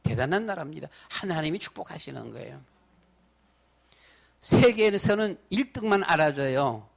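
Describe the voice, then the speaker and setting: A middle-aged male pastor delivers a sermon in an emphatic, conversational way, stacking up lists and repeating his points. His voice sits high for a man. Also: lively intonation, moderate pace, creaky. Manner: emphatic, repetitive, conversational preaching.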